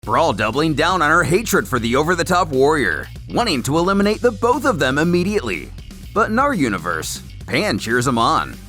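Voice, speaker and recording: Animated, higher-pitched male story narrator. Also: moderate pace, faint music behind. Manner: theatrical, wordy storytelling. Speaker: narrator of a comic recap series. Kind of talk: scripted narration, story recap.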